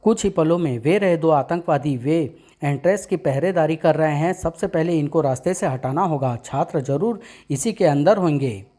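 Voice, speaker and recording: A bold young superhero in a narrated comic story, which a man voices himself. He talks in a firm, commanding way, with the steady resolve of a hero facing danger. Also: on the high side, moderate pace, lightly acted. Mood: determined. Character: brave young male superhero, determined and bold.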